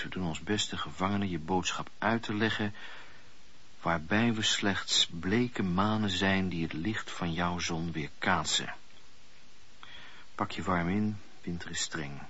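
An actor playing a devout, caring letter-writer in a Dutch radio drama, with a husky voice. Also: male voice, deep voice, sharp tone, heavily acted. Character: devout, caring man dictating a reverent letter. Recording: dull lo-fi radio play recording.

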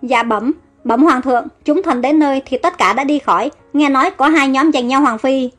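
A woman's voice: high-pitched, normal speed, faint music behind, close to an everyday voice. A woman voicing a male soldier who reports respectfully to his king. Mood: deferential. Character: deferential male Egyptian soldier.

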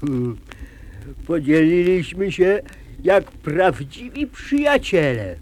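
A man's voice: a little high, big pitch swings, takes it slowly, a little mellow. A man voicing a cheerful, greedy, childlike little dragon in a children's puppet show. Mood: pleading, playful. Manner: childlike, playful, emphatic.

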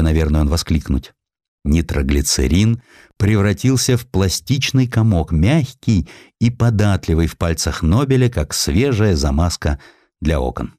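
Deep-voiced, expressive male storyteller. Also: no room sound, clean studio sound. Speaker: audiobook narrator. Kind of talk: dramatic scripted narration of a historical sketch.

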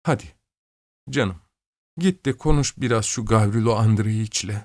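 A man voicing a weary, self-pitying old noblewoman in an audiobook, speaking softly and plaintively. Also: lowish voice, measured pace, dry recording, studio quality. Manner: soft, plaintive, martyred tone. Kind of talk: audiobook character voice.

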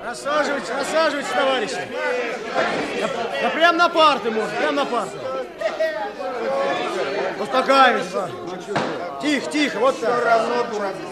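In a radio play, an actor voices Kuzma, an earnest rural Soviet village chairman, firmly coaxing and persuading peasants at a meeting. His voice is extremely high and unhurried, with frequent pauses, heard over a noisy crowd.

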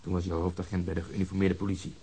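An actor playing a blunt, bitter police officer in a radio drama, with a husky, emphatic delivery. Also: male voice, low voice, flat delivery, very fast, warm tone. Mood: bitter recollection.

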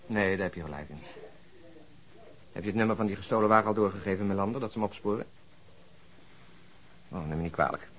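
Fast-talking, husky, principled male detective. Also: on the low side, a bit bright, poor audio. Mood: subdued. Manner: ironic, impassioned. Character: indignant, compassionate, cynical-humoured male police detective with a conscience. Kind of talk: radio play dialogue.

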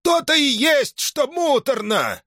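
A man voicing an irate, breathless old grandfather who shouts and scolds his grown son. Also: mid-range voice, big pitch swings, moderate pace, no room sound, clean studio sound, pitched above the performer's own voice, lightly acted. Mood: furious.

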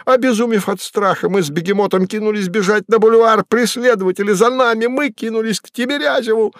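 A man voicing a jittery, theatrical male demon sidekick who speaks in a shrill, agitated voice. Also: brisk, dry recording, studio quality. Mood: frantic.

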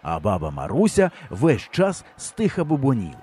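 A man narrating a humorous story in an audiobook, telling it in a lively way. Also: medium pitch, normal speed, a little hiss or hum. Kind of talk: scripted narration.

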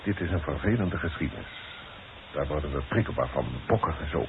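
Irritable, commanding Dutch boss, very animated intonation, pompous and curt, 1960s radio play with faint hiss. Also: male voice, rumbling low, fairly quick. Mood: conciliatory. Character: imperious, irritable company boss, impatient and cost-minded. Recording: dull, hissy old radio broadcast recording.

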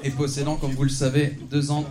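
A man's voice: mid-range voice, monotone, a little fast, a crowd in the background. A man doing a mock-solemn, theatrical stand-up setup on stage. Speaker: comedy performer. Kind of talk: live stand-up bit.

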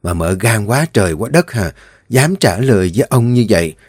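A man voicing an older female household servant in a story, with a soft, slow manner. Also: fairly low pitch, expressive, husky, no room sound. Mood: chatty.

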